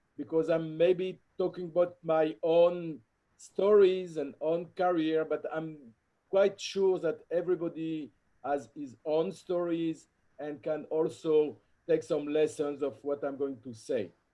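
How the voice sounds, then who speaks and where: A man speaks with a French accent at a fairly high pitch. He talks at a fairly slow pace with fairly even intonation. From France. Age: 60s. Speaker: aerospace engineer. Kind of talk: talk to a congregation. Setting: video call. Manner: halting.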